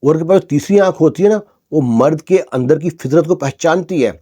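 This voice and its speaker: Mellow-voiced male storyteller. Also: a little high. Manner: conversational, uses "na" for emphasis. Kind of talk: dramatic storytelling narration.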